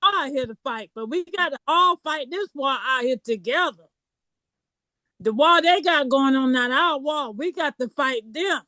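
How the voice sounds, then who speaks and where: A woman with a high, sharp voice speaks on a group voice call whose connection keeps breaking up. She is fiery and slogan-driven, with halting restarts. The sound is dry and close, with no room around it. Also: no room sound, low-quality recording. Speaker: meeting member sharing. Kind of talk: impassioned call to action. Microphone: remote call mic.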